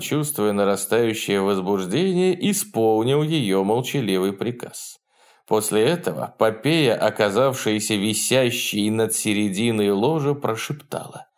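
Male audiobook narrator, measured expressive delivery, mid-range voice. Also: mid-range voice. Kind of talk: scripted narration.

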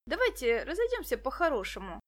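A woman reading an audiobook, voicing a short, sly male crook who rasps and wheedles. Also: high-pitched, wildly swooping pitch, a little fast. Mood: sugary. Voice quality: hoarse, wheedling.

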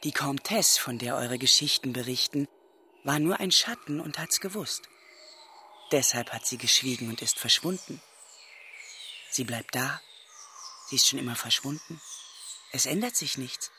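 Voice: mid-range voice, a little slow, long pauses, bright, forceful tone, slight background noise. A man playing a mysterious, aloof white swan hybrid who speaks in cryptic pronouncements in a radio drama. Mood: enigmatic.

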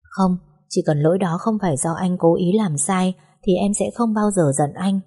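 A woman voicing a gentle young wife, speaking softly and politely. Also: lowish voice, moderate pace, breathy edge. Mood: tender. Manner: soft, polite, pleading.

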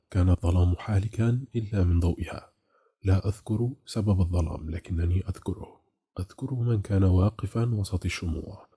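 A man's voice: low voice, dark tone, husky. A man reading a bitter haunted middle-aged caller. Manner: bitter, restrained anger. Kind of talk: audiobook character reading.

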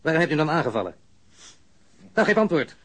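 An actor playing a composed, authoritative police investigator in a radio drama, speaking formally and insistently. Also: male voice, on the high side, big pitch swings, fast talker, fairly bright tone. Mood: angry, pressing. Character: stern, composed male police investigator, probing and dryly authoritative. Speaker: police interrogator. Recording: noisy archived radio drama recording.

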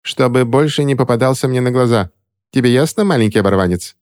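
A man's voice: medium pitch, fast talker, darkish tone, no echo, clean studio sound, pitched above the performer's own voice, lightly acted. A man reading an audiobook voices an eccentric, stern woman of the manor who speaks in a cold, mocking, commanding way.

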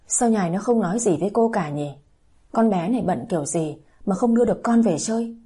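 A woman's voice: mid-range voice, expressive, fairly quick, warm tone, breathy edge. A woman voicing an older village aunt who scolds harshly. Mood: worried. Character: older village aunt, sharp-tongued and furious.

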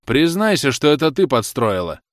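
A man's voice: mid-range voice, lively intonation, normal speed, fairly bright tone, no room sound, clean studio sound, close to an everyday voice. A man voicing a jealous, furious young man who hurls accusations at his lover in a raised, scornful voice. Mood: cold scornful. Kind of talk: audiobook character reading.

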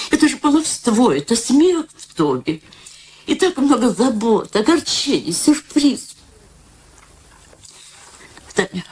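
An older woman playing a wistful, sharp-witted elderly mother in a radio drama, plaintive and theatrical. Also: mid-range voice. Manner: plaintive, dramatic, repeats herself.

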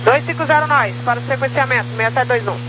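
A woman's voice: sits high, fast. A Brazilian woman working as an air traffic controller, issuing clipped instructions over a crackly, military-style aviation radio. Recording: humming, noisy crackly radio transmission.

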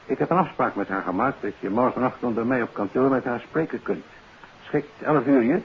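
A senior male police chief, played by an actor, courteous and calmly in charge. His voice is middle-pitched, in 1950s radio drama style, with faint hiss. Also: a little fast, lo-fi sound, close to an everyday voice. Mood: businesslike.

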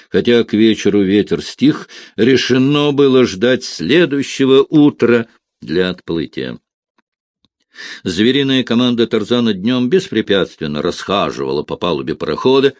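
Deep-voiced man narrating an adventure story. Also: a little mellow, no echo. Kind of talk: audiobook narration.

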